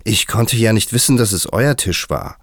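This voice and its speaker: A man's voice: fairly low pitch, animated, moderate pace, no room sound, clean studio sound, voice pushed up. A man voicing a prim young girl who speaks in an indignant, proper way. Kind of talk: audiobook character voice.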